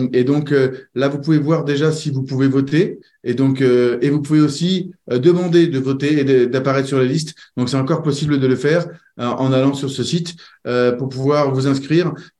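A man's dark, mellow tone at a moderate pace, with audible room echo. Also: fairly high pitch for a man, fairly even intonation. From France. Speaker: francophone community activist. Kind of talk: interview conversation. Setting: video call.

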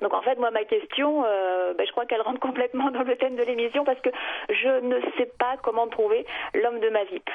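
High-pitched woman at a moderate pace, with ordinary pitch variation. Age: 40s. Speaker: caller, entrepreneur and mother. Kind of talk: phone-in conversation. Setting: phone call.

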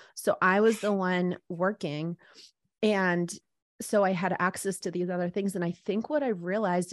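A woman with an American accent speaks at a moderate pace in an unremarkable speaking voice, medium in pitch and fairly even in intonation. The sound is dry and close with no echo, over a quiet background. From Russia (Moscow), emigrated to US at age 8. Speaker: stepparent coach. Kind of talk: podcast interview.

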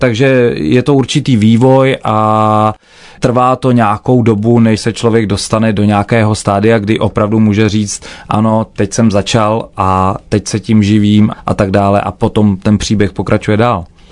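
A man with a normal speaking voice talks at a fairly slow pace and fairly low pitch. His loudness stays very even and his intonation fairly even. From Czech Republic. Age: 30s. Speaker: opera singer. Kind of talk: radio interview. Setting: studio.

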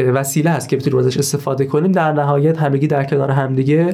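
With a dark, mellow tone, a man speaks at a fairly high pitch and with fairly even intonation. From Iran, Shiraz. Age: 20s. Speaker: community volunteer. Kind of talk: interview.

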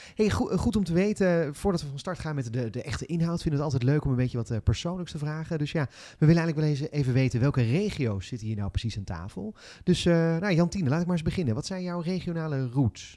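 Lively intonation marks this man's very fast speech. His voice is fairly high in pitch with a dark, mellow tone. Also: very clean recording, silent background. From Emmen, Drenthe, Netherlands. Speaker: podcast host. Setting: studio.

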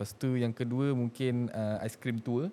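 Ordinary pitch variation and a medium pitch in a man's unremarkable speaking voice. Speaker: singer. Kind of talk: casual chat.

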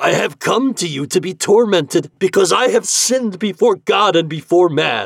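Putting on a character voice, a man talks at a fairly slow pace in a high pitch with big swings, vocal fry and a slightly husky edge.

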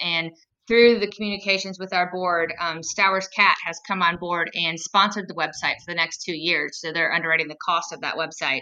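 A woman with a Northern US accent, medium-pitched, bright and sharp in tone, at a fairly quick pace. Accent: Northern US accent, still noticeable. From Lansing, Michigan. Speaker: nonprofit chapter executive director. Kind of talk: casual interview.

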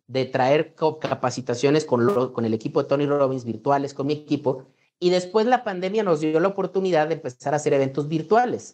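In a plain, everyday voice, a man with a fairly high pitch talks with lively intonation and hardly any pauses. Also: fairly quick pace. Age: 40s. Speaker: physician. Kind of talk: interview.

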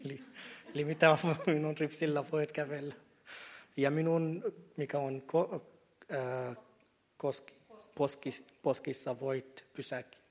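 With an Arabic accent, a man speaks at a fairly high pitch in a monotone, flat intonation. His pace is very slow, with long, frequent pauses. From Syria. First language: Arabic (speaking Finnish). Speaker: Arabic language teacher. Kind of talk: panel conversation. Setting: chapel with audience. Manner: halting.

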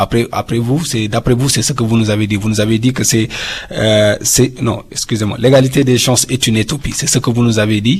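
Over noticeable background noise, a man with a medium pitch speaks at a fairly quick pace and fairly even intonation. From Senegal. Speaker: radio technician and musician. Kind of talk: formal debate. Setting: live radio broadcast before an audience.

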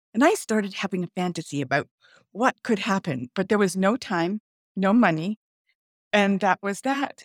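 An unremarkable speaking voice at a moderate pace with lively intonation, very clean and silent in the background, dry and close with no echo. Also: woman, medium pitch for a woman. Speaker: theatre director and playwright. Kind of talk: interview.

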